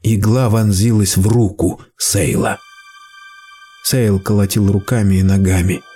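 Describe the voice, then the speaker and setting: A man reading a story aloud in steady, measured scripted narration. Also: lowish voice, husky. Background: faint music.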